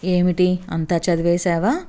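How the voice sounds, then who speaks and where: A woman's voice: lowish voice, level tone, measured pace, warm tone, natural voice. A woman voicing a young wife in a read-aloud story, speaking with mild mock annoyance. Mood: mock-cross. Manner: mock-cross, then amused.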